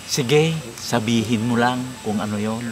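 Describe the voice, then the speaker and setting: A man acting as an affectionate, teasing husband in a comedy skit, flattering his wife and calling her darling. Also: medium pitch, measured pace, lightly acted. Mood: playful, flattering. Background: background music.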